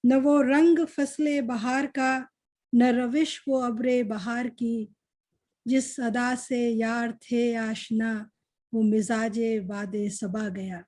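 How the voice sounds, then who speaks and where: A woman with a fairly high, soft-edged mellow voice recites verse at a literary gathering. Her delivery is very slow and measured, with couplets said over again. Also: flat delivery. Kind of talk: slow Urdu poetry recitation.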